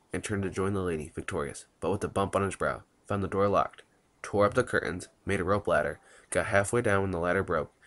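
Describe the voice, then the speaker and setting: A woman's voice: a bass voice, voice pushed down. A woman voicing Ned, a boisterous young man spinning a rollicking adventure tale. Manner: rollicking, breezy storytelling.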